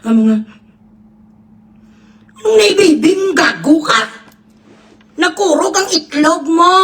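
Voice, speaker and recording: Woman livestreamer, foul-mouthed mocking rants, high voice, distant mic. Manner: crude, mocking, profanity-laden ranting. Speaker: reaction vlogger. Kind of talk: livestream reaction commentary.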